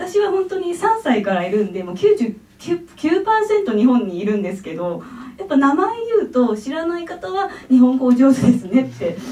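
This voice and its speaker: A woman talks at a high pitch with very wide pitch swings. Her pace is moderate. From Tokyo, Japan (born Taipei, moved at 3); Tokyo. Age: 30s. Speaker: novelist. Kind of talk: book event talk. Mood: warm, cheerful. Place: hall.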